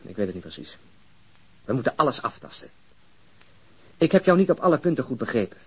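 A man acting in a crime audio drama as an earnest, principled police detective, blunt and probing, speaking deliberately. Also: mid-range voice, big pitch swings, slightly rough. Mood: serious, probing. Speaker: actor in a radio drama.

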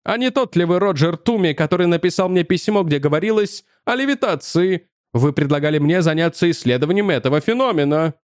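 A shrill, high-strung older male professor who keeps accusing and insisting, his voice pushed up high, as a male audiobook narrator puts him on. The recording is dry and close, with no room sound. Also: expressive, brisk, hardly any pauses, no room sound, close to an everyday voice. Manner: accusing, insistent, increasingly frantic.

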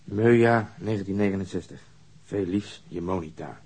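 An actor playing a stern, methodical police investigator in a radio drama, curt and matter-of-fact, with a rough husky voice. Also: male voice, sits low, normal speed, a little mellow, low-quality recording. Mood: musing, dry. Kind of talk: naturalistic Dutch radio drama acting.

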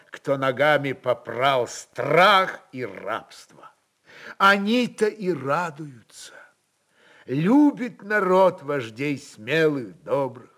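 A man narrating a literary work in a dramatic, expressive style, with emphatic phrasing and weighty pauses. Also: medium pitch.

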